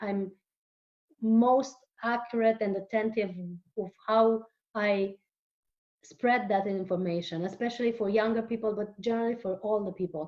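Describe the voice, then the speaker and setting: Speaking at a moderate pace, a woman with a Romanian accent uses a fairly high pitch and fairly even intonation. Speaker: spiritual author. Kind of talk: interview.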